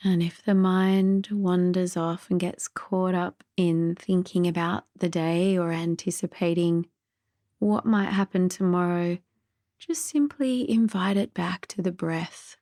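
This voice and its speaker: A woman leads a sleep meditation with a mellow, relaxed voice. Her delivery is very slow, gentle and soft, often easing toward a breathy near-whisper. The sound is close and dry. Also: lowish voice, no echo. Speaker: meditation guide.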